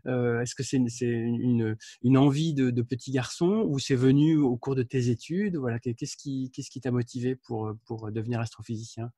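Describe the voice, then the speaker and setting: Mellow male interviewer, halting questions. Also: mid-range voice, fairly even intonation, dry recording, studio quality. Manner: halting, repeats words while framing questions.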